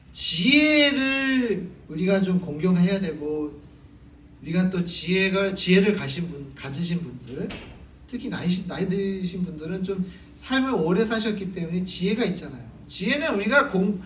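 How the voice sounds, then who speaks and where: A man's voice: sits high, a bit bright, a little hiss or hum. A man preaching a Sunday sermon in a conversational way, asking the congregation questions and acting out stories. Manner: conversational preaching, acts out quotes. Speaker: pastor. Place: church sanctuary. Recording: echoey church hall from far off.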